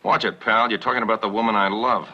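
A man's voice: lowish voice, fairly even intonation, fast talker, lightly acted. An actor playing a jealous wounded soldier complaining about his wife, in sitcom-style acting from dull lo-fi TV audio. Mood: grousing.

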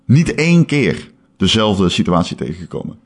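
A man chatting casually as a podcast host, an animated storyteller who swears freely. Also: deep voice, normal speed, husky. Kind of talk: casual chat.

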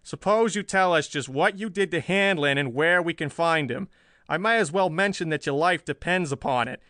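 A man's voice: fairly high pitch, lively intonation, moderate pace, sharp tone, no room sound, studio quality, pitched above the performer's own voice. A man voicing a hard-boiled, impatient newspaper chief who barks threats in a pulp story reading. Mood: menacing, impatient. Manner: barking, threatening.

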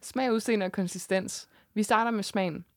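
A woman's voice: medium pitch, dry recording, studio quality. Young woman, playful casual chat. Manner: playful, swears freely. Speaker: podcast co-host. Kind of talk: casual chat, candy review.

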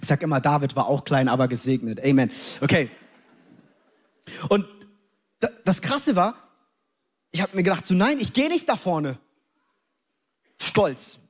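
Animated high-voiced German preacher. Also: male voice, a little slow, long pauses. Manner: animated storytelling, acts out scenes, with English interjections. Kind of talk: sermon.

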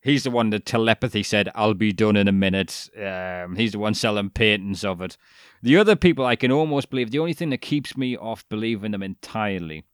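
A man with a lowish, clean-toned voice co-hosts a podcast, recorded dry and at studio quality. He rambles through a casual chat about a documentary, full of restarts, fillers and the occasional swear word.

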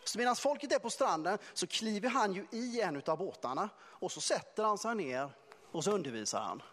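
A man preaching a Sunday sermon, retelling a story in a lively, conversational, playful way. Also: sits high, big-room sound. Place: church hall.

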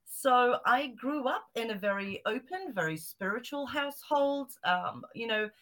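A woman from Zimbabwe and South Africa, a guest telling her story in a lively interview. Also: fairly high pitch, measured pace. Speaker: guest, psychic medium and author. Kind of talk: interview answers.

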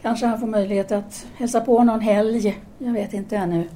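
An actress playing a cool, frank French intellectual woman in an audio drama, with measured, formal and composed delivery. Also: medium pitch, steady tone, warm tone, slight background noise, lightly acted.

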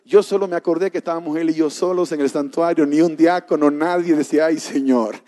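A man's voice: fairly high pitch, steady tone, fast talker, dark tone. A man from the Republic, a pastor giving a sermon testimony as a vivid storyteller who acts out dialogue. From Dominican Republic.

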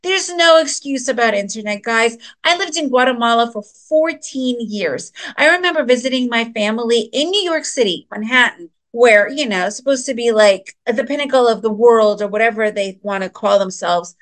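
A woman's voice: fairly high pitch, lively intonation, normal speed, few pauses, fairly bright tone. A middle-aged woman giving a chatty, upbeat webinar presentation, speaking straight to her audience. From United States. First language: Russian. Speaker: trading presenter.

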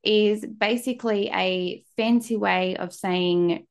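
A woman's voice: mid-range voice, fairly even intonation, slow, clean tone. A woman in her thirties from Australia with an Australian accent, a chatty guest explaining things on a podcast. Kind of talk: casual podcast interview.

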